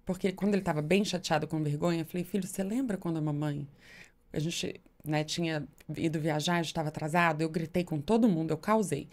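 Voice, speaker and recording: A woman's voice: deep voice, quick pace. Mother telling a story, acting out dialogue. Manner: animated storyteller, acts out dialogue. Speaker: podcast co-host, mother. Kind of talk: casual storytelling chat.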